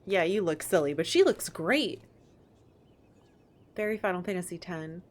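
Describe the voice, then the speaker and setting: A woman streamer giving casual live let's-play commentary, reacting aloud to the game with excitement. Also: lowish voice, normal speed. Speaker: streamer playing a video game.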